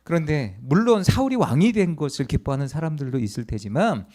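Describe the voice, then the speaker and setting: A middle-aged male pastor preaches a sermon in a church sanctuary, telling stories and acting out the voices of the people in them. His delivery is animated and brisk, and his voice is a little high.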